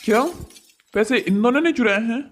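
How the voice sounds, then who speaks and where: A man's voice: very high voice, moderate pace, fairly bright tone, slight background noise. A man voicing a stern, exasperated father who scolds sarcastically in a cartoon moral story. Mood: puzzled.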